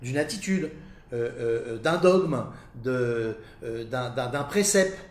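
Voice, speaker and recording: A middle-aged man presenting an explanatory monologue in a didactic, emphatic way with deliberate repetition. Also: mid-range voice, animated. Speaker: presenter and communication coach. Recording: echoey, reverberant room.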